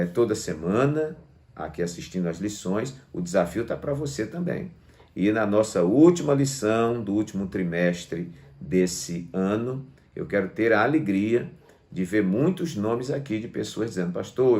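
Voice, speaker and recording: Male pastor, lowish voice, didactic Bible teacher stressing key words for online students. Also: a little mellow. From Brazil. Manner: didactic, emphatic on key words, often seeks agreement with tag questions. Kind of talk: Bible lesson to online viewers.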